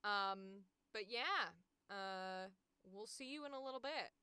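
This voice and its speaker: A woman's voice: mid-range voice, takes it slowly, bright, forceful tone, clean tone, no room sound. A woman hosting a casual livestream, chatting informally and giggly as she addresses her viewers. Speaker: livestream host and voice actor. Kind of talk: casual livestream chat, signing off.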